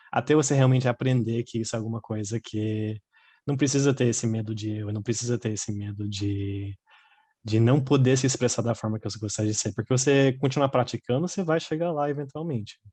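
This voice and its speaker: A man's voice: medium pitch, a little fast, darkish tone, no echo. A man who grew up speaking English, talking reflectively in a casual podcast chat, restarting sentences as he searches for words. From raised outside Brazil, mother Brazilian. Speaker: podcast co-host.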